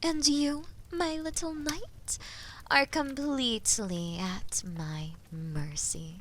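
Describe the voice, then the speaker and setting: Haughty she-dragon, voiced by a woman, fantasy audio drama: drawn-out taunting delivery, breathy whispers, mid pitch, faint background noise. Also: steady tone. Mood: menacing. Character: haughty, menacing female dragon toying with captive knight. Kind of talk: slow, theatrical roleplay monologue in medieval fantasy audio drama.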